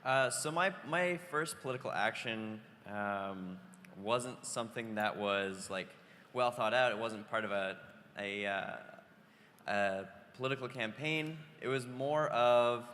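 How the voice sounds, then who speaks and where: A teenage high school student speaking on a panel, hesitant, with many fillers and restarts. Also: male voice, pushed and bright. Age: teens. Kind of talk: panel remarks. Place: convention hall. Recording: hall reverb, faint noise.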